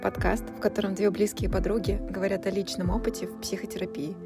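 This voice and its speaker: A woman's voice: medium pitch, flat delivery, loud music behind the voice. A woman in her twenties co-hosting a podcast, introducing the show and asking guests questions. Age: 20s. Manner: exclamatory, quick reactions. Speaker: podcast co-host.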